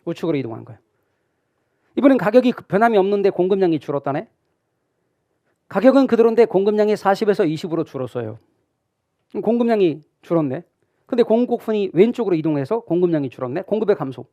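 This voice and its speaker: Middle-aged guy teaching a real estate exam class, pretty high voice, dry close sound. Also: quick pace, pauses often, no echo, muffled recording. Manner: animated, asks students questions and answers them himself; acts out imagined student questions. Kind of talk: classroom lecture.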